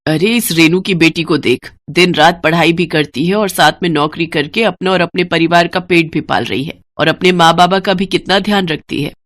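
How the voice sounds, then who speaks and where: A woman's voice: fairly low pitch, moderate pace, hardly any pauses, fairly bright tone, no room sound, lightly acted. Woman acting a haughty, bossy rich housewife. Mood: exasperated. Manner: curt, imperious. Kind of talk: dramatised Hindi bedtime story.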